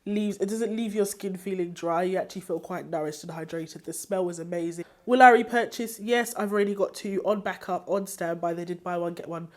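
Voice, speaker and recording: A woman's voice: lowish voice, steady tone, brisk, few pauses. A young woman, a bit nasal from a cold, chatting enthusiastically as she reviews beauty products she has used up. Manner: chatty, enthusiastic, laughs often. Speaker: beauty vlogger. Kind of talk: casual product review chat.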